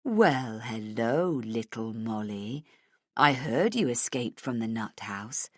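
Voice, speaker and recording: A woman's voice: a bass voice, animated, unhurried, dry recording, studio quality, voice pushed down. A woman voicing a menacing, cruel male villain in an audiobook, mocking with a sing-song delivery. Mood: taunting.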